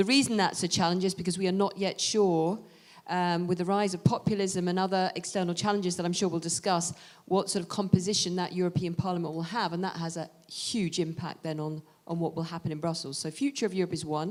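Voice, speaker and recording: Talking very fast with a British accent, a woman keeps her fairly low voice in a fairly even intonation. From Britain. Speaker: business association executive. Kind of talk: panel discussion.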